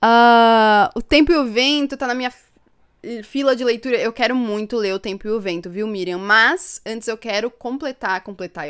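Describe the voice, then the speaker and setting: A young woman chats with her viewers on a live stream, upbeat and talkative. Her voice is smooth and clear, sitting at an ordinary middle pitch. She speaks close to a desk microphone in a room at home. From São Paulo state, Brazil. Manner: chatty and upbeat, laughs often, reads viewer comments aloud. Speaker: book channel host. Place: home room with bookshelves, indoors. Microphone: desk microphone in front.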